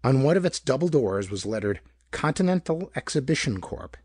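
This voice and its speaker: A man reading a pulp detective story aloud as scripted narration, with a slightly rough voice and dramatic, expressive delivery. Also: medium pitch, moderate pace, dry recording, clean studio sound. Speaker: audiobook narrator.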